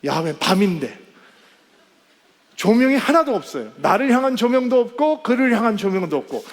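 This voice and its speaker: A male pastor telling a story in a sermon, animated and acting out the quoted voices. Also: high-pitched, moderate pace. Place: church sanctuary. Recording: church hall with long reverb.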